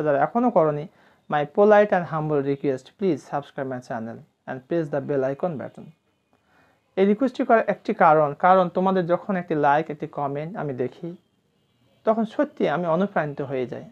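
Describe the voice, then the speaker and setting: A woman teaching a spoken English lesson, repeating each English phrase slowly and carefully. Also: fairly low pitch. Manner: slow, deliberate repetition of English phrases. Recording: dull lo-fi recording.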